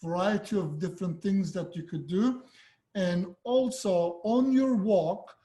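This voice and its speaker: High-voiced man giving dog-training tips. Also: measured pace, dark tone. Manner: friendly, direct, loose and conversational. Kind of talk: casual tips video.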